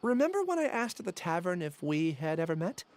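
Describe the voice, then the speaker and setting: A man voicing a gentle, apologetic young scholar in an anime-style video game, polite and hesitant. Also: sits high, sing-song, a little fast, a little hiss or hum. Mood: reflective.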